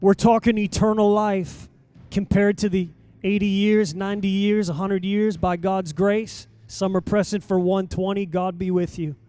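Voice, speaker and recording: A pastor preaching a sermon in a church, with emphatic delivery and dramatic pauses. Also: male voice, sits high, little pitch movement, warm tone, clear, resonant tone, dry recording. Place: church sanctuary.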